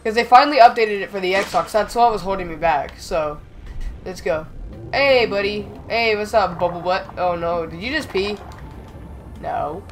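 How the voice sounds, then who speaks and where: A young man with a slightly raspy voice from being sick, chatting excitedly as he plays and talks back to the game. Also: sits high, moderate pace, soft background music. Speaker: gaming channel host. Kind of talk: casual gameplay commentary.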